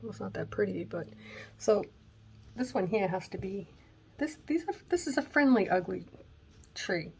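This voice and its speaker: Raspy gravelly lady talking thru her craft project at home, mutters and whispers as she works. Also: mid-range voice, expressive, normal speed, long pauses, slight background noise. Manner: chatty, thinking aloud while working, drops to whispers. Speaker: craft channel host. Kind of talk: casual craft tutorial chat. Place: home craft room on a gray day. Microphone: camera mic, moves close and away while working.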